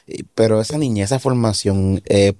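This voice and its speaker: A man's voice: fairly low pitch, normal speed, no room sound, studio quality. A man hosting a Christian interview show, asking questions and often adding "verdad". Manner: warm-hearted interviewer, frequent "¿verdad?". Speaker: host of Christian program.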